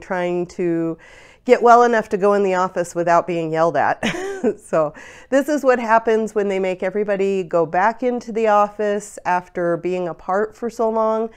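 A congested woman in her forties vents in a chatty home vlog, laughing now and then as she talks. Her voice sits a little low and stays smooth and clear despite the cold. She is recorded close on a lapel mic in a room at home. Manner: chatty, venting with frequent laughs. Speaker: online parts store owner. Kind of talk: casual vlog rant. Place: home room lined with storage drawers.

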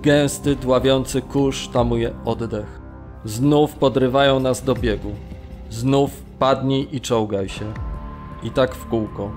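A male actor plays a man held in a brutal camp, bearing witness in a radio play. His voice sits at a medium pitch as he recounts his ordeal. Faint music runs underneath. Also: fairly even intonation, slow, a little mellow, natural voice. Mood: grim, harrowed. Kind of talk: dramatised documentary narration of survivor testimony.

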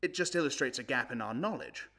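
A man playing an earnest, troubled man in an intimate stage monologue, speaking in a halting, searching way. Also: mid-range voice, expressive, sharp tone. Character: earnest, troubled man recounting an argument about God.

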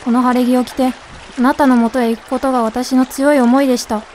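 A woman's voice: high-pitched, flat delivery, fairly quick, darkish tone, slight background noise, lightly acted. A woman playing a young, doomed princess in a voice drama, speaking in solemn, old-fashioned phrasing. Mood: sorrowful resolve. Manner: solemn, archaic theatrical phrasing. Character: doomed young castle princess, grieving and vengeful. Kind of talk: voice drama monologue.

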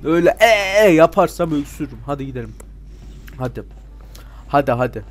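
Gamer guy, slightly high voice, chatty and sarcastic, given to sudden loud outbursts at the screen. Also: fairly quick. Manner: excitable, talks back at game characters, sudden loud outbursts; sarcastic grumbling asides. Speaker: let's play gamer. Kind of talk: casual gameplay commentary.

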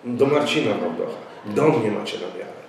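A middle-aged man speaks at a press conference in a formal, insistent way, often pausing with fillers. He sits in an office room, picked up by a camera mic set well back. The room is strongly echoey, with faint ambient noise behind him. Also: fairly low pitch, lively intonation, far from the mic. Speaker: local party representative. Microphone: far camera mic.

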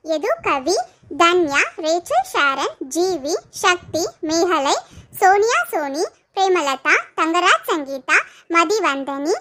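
Bright high-voiced woman reading names. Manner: brisk list reading. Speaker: channel host.

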